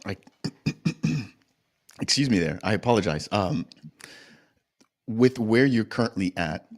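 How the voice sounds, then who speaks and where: A man's voice: on the low side, expressive, a little slow. A man hosting a casual panel podcast, chatting in a friendly way and handing questions to his guests. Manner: friendly, apologetic, hands off questions. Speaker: podcast host.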